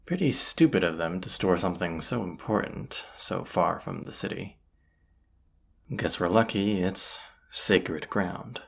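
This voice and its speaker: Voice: deep voice, animated, a little slow, vocal fry, slightly rough, full character voice. A performer playing a roguish bandit leader in a fantasy audio roleplay, grumbling yet confident, with folksy, sardonic muttering to the listener. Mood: focused, confident.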